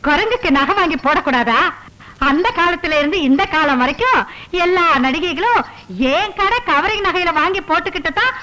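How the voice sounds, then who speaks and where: A woman's voice: very high-pitched, lively intonation, moderate pace, pushed and bright, heavily acted, low-quality recording. An actress playing a brash middle-aged mother who runs a jewellery shop, with noise behind her. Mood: boastful. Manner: brash, boastful. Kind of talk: 1990s Tamil film comedy.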